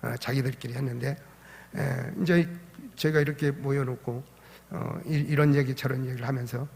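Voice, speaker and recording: A man's voice: mid-range voice, fairly even intonation, normal speed, creaky, darkish tone. An older man, a retired pastor, preaching a sermon, telling stories and building up to emphatic exclamations. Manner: storytelling with rising emphatic exclamations. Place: church sanctuary. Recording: church hall reverb.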